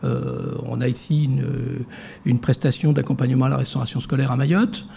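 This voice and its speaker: A man's voice: medium pitch, little pitch movement, normal speed, vocal fry, warm tone, a little hiss or hum. A man giving hesitant, filler-heavy answers in a TV interview as director of a social security fund. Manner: hesitant, many fillers and restarts.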